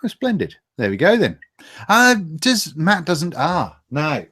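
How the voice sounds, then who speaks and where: A man's voice: fairly high pitch, wildly swooping pitch, measured pace, a bit bright. A man with a British accent hosting a livestream in a chatty, casual, sweary way. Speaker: livestream host. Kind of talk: casual chat, reading viewer comments.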